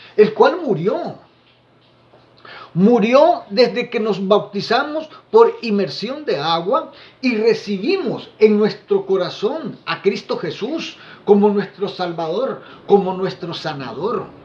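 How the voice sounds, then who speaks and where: There is audible room echo as a man speaks at a very slow pace and high pitch with lively intonation. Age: 60s. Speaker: preacher. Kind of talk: sermon.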